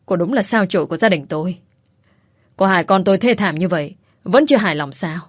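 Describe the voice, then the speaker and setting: A woman's voice: lowish voice, lively intonation, fast, dry recording, studio quality. A woman voicing a furious scolding grandmother. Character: angry scolding old grandmother.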